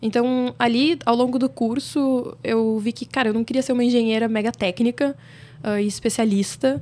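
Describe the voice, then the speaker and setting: A woman's fairly high voice with a dark, mellow tone and fairly even intonation. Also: moderate pace. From southern Brazil, Rio Grande do Sul interior (Santa Rosa). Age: 30s. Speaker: fintech entrepreneur. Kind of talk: podcast interview. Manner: casual, many filler sounds.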